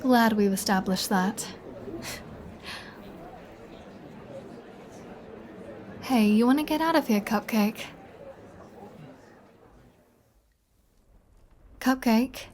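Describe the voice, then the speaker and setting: A woman's voice: fairly high pitch, slight background noise. A woman playing a flirty, sardonic female vampire in an intimate ASMR roleplay, with a teasing, dry and bossy manner. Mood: playful, flirty.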